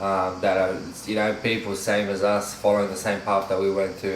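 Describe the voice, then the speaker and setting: A man with an Australian accent speaks at a moderate pace and a fairly low pitch. There is noticeable background noise and audible room echo. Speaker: vlogger. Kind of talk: casual chat.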